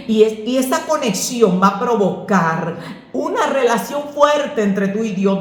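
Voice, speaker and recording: A woman pastor, answering questions about prayer in an earnest, preacherly way that slips into lively storytelling. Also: medium pitch. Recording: echoey room.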